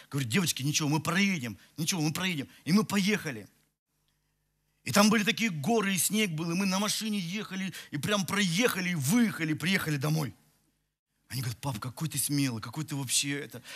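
Sharp in tone and on the high side, this forties-aged pastor's voice carries through a headset mic as he addresses a church hall. Moving about the stage with gestures, he tells a funny story at his own expense, restarting again and again mid-sermon.

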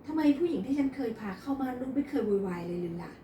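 A woman's voice: sits high, expressive, fast talker, mellow, slight background noise, pitched above the performer's own voice. A woman voicing a brash, crude playboy son in a read-aloud romance novel, recorded in an echoey room from a distance. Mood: teasing. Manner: crude, teasing.

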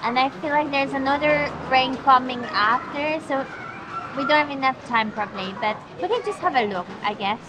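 A woman's voice: high-pitched, normal speed. A woman talking casually as a travel vlogger, eagerly explaining plans and describing food at an open-air eatery. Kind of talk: casual vlog talk. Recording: loud rain noise behind.

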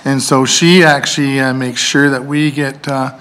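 A man, a library board chair, answering council questions haltingly, with many pauses and restarts, in a council chamber. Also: medium pitch, little pitch movement, a bit bright.

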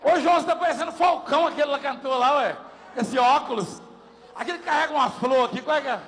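Male pastor, high voice, playful interviewer, large reverberant church. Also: fairly bright tone. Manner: teasing, folksy, fast back-and-forth. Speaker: pastor leading a service. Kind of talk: joking church testimony interview. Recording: long hall reverb with music.

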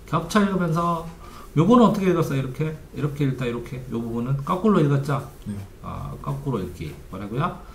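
A man's voice: mid-range voice, expressive, brisk, vocal fry. A man teaching a study method in steps, asking his listeners questions and then answering them himself. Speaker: study coach. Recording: echoey room, faint background noise.

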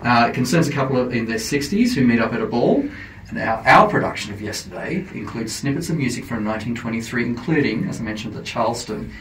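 A man's voice: mid-range voice, lively intonation, fast talker, a bit bright, a little hiss or hum. An Australian man talking eagerly as a studio guest on a radio show, explaining with frequent fillers. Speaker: theatre company guest promoting plays. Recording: roomy, distant camera audio.

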